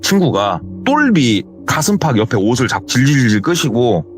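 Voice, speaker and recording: A man's voice: mid-range voice, very animated, normal speed. A man telling a horror story in a vivid, dramatic, casual spoken retelling. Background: faint music.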